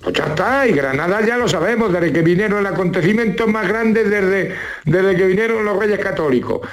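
High-pitched man, grumbling and rambling. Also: normal speed, soft background music. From La Mancha, Spain. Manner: rambling, colloquial, repeats rhetorical questions. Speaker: regular radio contributor nicknamed as a judge. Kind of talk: comic grumbling chat.

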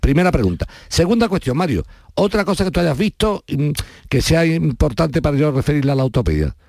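A man with an Andalusian accent hosting a live radio call-in show, insistent and lecturing, dropping low when he scolds. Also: very animated, brisk, creaky, darkish tone, no echo, clean studio sound. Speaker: radio host. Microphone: studio microphone.

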